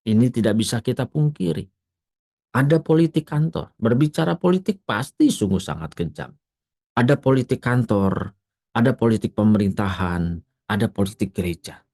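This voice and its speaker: Male pastor, sermon, low voice, dry close sound, swings from quiet to loud emphatic peaks. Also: no echo.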